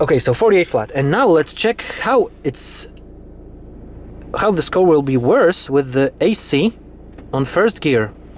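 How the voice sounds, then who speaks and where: A man with a Polish accent speaks at a fairly slow pace and fairly high pitch, with long, frequent pauses and very wide pitch swings. His loudness stays very even, and there is noticeable background noise. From Poland. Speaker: car reviewer. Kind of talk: product review. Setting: inside a car. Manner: halting.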